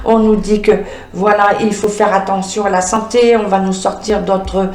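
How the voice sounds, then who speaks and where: Female medium, mid-pitched voice, halting card reading full of fillers, recorded in a roomy space. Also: little pitch movement, darkish tone. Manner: halting, many filler sounds, talks to the cards. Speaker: medium reading oracle cards. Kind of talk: spoken card reading with visions.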